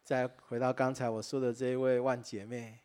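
A man's voice: mid-range voice, level tone, fairly quick, a little mellow. A male pastor preaching a sermon to his church congregation. He tells stories earnestly, breaks in with exclamations of wonder and speaks to his listeners directly as dear friends.

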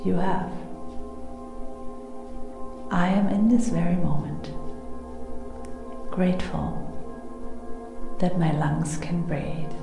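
A woman guides a meditation very slowly, in an airy, breathy voice that often sinks toward a whisper. She sounds like a soothing mystical healer, with an echoey sound around her deliberate phrases. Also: fairly low pitch. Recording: echoey reverberant sound over music. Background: music.

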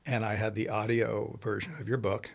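A man's voice: lowish voice, flat delivery, normal speed, gravelly. A man from Italy hosting a casual interview, talking in an enthusiastic, rambling and effusive way. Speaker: podcast host.

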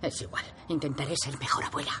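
An actress dubbing a blunt, foul-mouthed older grandmother who shouts and swears when worked up. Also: a bass voice, fast talker, slight background noise. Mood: bitter. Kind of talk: Spanish film dub.

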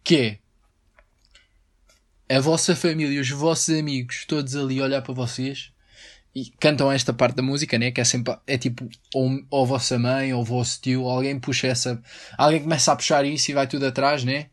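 A man's voice: medium pitch, little pitch movement, brisk. A young man with a European Portuguese accent, hosting a casual solo podcast, rambling and slangy. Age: young adult. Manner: rambling and slangy, breaks into mock singing. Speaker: podcast host.

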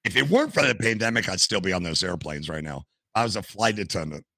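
On a podcast, an older American retiree tells story after story, animated and full of asides, in a casual interview. His low, gravelly voice has a bright, forceful bite, and he talks quickly. A headset mic makes the sound close and dry, with no room echo.

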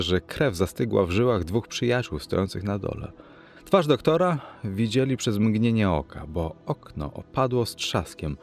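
Male audiobook narrator, very deep, expressive and measured. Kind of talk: audiobook narration of a classic novel.

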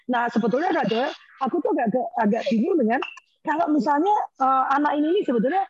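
A woman's voice: high-pitched, animated, fast. A woman hosting a casual conversation, asking questions with hesitant fillers. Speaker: host. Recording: dull, lo-fi audio.

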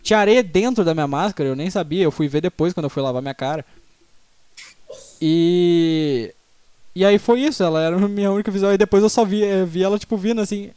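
A man's voice: sits high, fast talker, warm tone, clear, resonant tone, no room sound. Laid-back young Brazilian man, dry close sound. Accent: Brazilian Portuguese. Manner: laid-back, slangy, laughs often. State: in pain, sitting on ice. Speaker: podcast co-host. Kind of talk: casual podcast chat.

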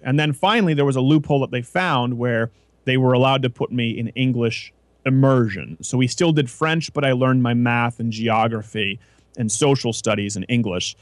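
A man's voice: medium pitch, dry recording. A man hosting a talk show, explaining his views in long, rambling, opinionated stretches with frequent restarts. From Canada. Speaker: host. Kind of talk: casual radio talk show chat.

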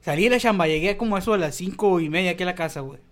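A man's voice: sits high, very fast. A young Mexican man with a Mexican accent, co-hosting a podcast and telling a rambling, slangy story full of swearing. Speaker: podcast co-host. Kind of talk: casual storytelling chat.

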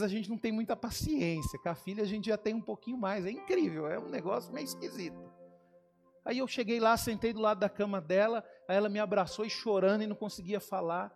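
A man preaching a sermon as pastor, fervent and swelling up to shouting, warmly calling his listeners "dear ones". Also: high-pitched, creaky.

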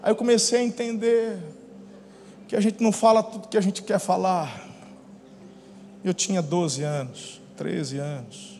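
Animated high-voiced Brazilian pastor. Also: male voice, measured pace, pauses often. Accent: Brazilian Portuguese. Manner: animated, acts out scenes with shouts and laughter. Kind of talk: storytelling sermon. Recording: long hall reverb, faint noise.

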